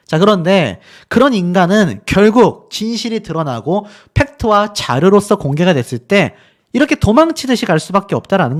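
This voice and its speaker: A man delivering opinionated news commentary as a YouTuber, indignant and emphatic, firing rhetorical questions at his audience. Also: high-pitched.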